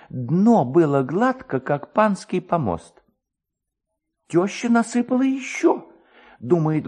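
A man's voice: fairly high pitch, warm tone, husky, voice pushed up, full character voice. A man voicing a superstitious, talkative village distiller in a storybook reading, anxious and pleading in manner.

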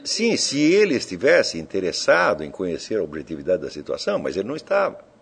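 Husky man lecturing provocatively. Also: low voice, wildly swooping pitch, fast. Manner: provocative, asks rhetorical questions, swears casually. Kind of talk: informal philosophy lecture.

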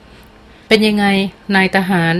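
A woman's voice: slow pace, close to an everyday voice. A woman voicing a cheeky old male jungle tracker who talks in an easygoing rural drawl. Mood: teasing. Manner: easygoing, teasing.

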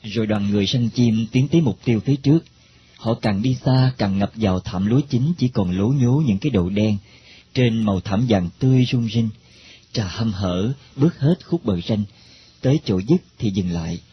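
A man's voice: lowish voice, normal speed, a little hiss or hum. A man narrating a story in a plain reading. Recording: dull lo-fi recording.

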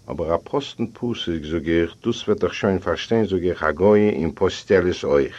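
A man whose first language is Yiddish reads a story aloud in his own low voice. He tells it theatrically, jumping up and down in pitch as he acts out the other people. The recording sounds dull and lo-fi. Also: normal speed, a little mellow. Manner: theatrical, voices each character in the dialogue. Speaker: audiobook reader. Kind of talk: expressive first-person storytelling.

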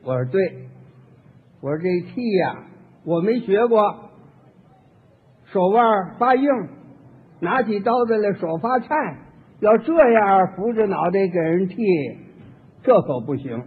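A man's voice: high-pitched, lively intonation, a little slow, pauses often, breathy edge. A man performing a solo comic story, acting out both sides of each exchange. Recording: tinny archival radio recording with long hall reverb.

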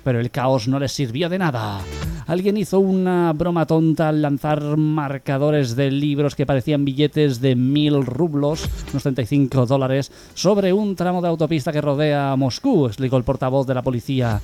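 A man with a Barcelona-area Spanish accent hosts a local radio humor show, reading odd news stories in a steady newsreader tone. His voice sits somewhat high for a man. A faint music bed plays under him. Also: normal speed. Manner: reads news items in an even newsreader tone. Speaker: radio host.

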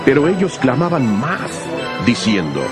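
A man narrating dramatized scripture in a measured, expressive way. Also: mid-range voice, loud music behind the voice.

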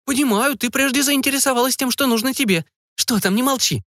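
Guy doing a high fussy mom, nags and frets, swoopy voice, dry sound. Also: a little fast, a bit bright, no room sound. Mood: prying. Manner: fretful, breathless questioning. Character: fussy excitable middle-aged mother.

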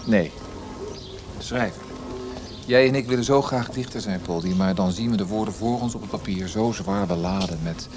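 An actor playing an earnest, formal young Viennese writer in a Dutch radio drama, speaking in a measured, hesitant way. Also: male voice, fairly low pitch, music in the background, lightly acted. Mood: reflective.

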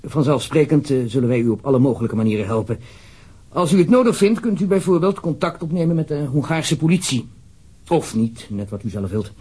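A man's voice: mid-range voice, big pitch swings, a little fast, mellow, breathy edge. A man with a Netherlands Dutch accent playing an uneasy, formal government official in a radio drama, wordy and hesitant. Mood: businesslike, urgent.

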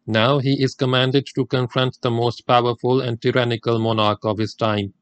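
Delivering a formal religious talk in English, an older Muslim speaker from India, a native Gujarati speaker, keeps a measured, deliberate pace. His middling-pitched voice is smooth with little pitch movement, captured close and dry without echo or much room sound.

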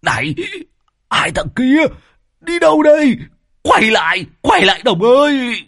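A man voicing a panicky, blustering old male exorcist who curses and shouts in a husky voice. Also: huge pitch swings, slow pace, no echo, studio quality, exaggerated voice. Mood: frantic. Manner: shrill, cursing, frantic shouting.

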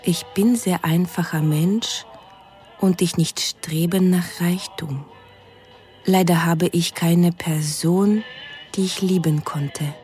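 A woman's voice: lowish voice, fairly even intonation, slow, mellow, faint music behind. A woman playing an earnest Russian in her thirties in a radio play, reciting formal letters in broken grammar. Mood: earnest, gentle. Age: 30s. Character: earnest young Russian woman writing romance emails.

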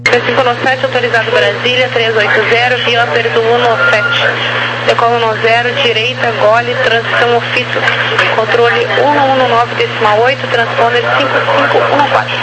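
A woman's voice: a little high, fairly even intonation, normal speed. A woman with a Brazilian accent giving procedural air traffic control instructions over a two-way radio. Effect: two-way radio transmission. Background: loud radio noise.

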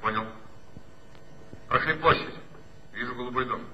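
An actor playing a male police officer in a 1960s radio play who reports briskly and dutifully by radio. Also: medium pitch, pushed and bright, muffled recording, a little hiss or hum.

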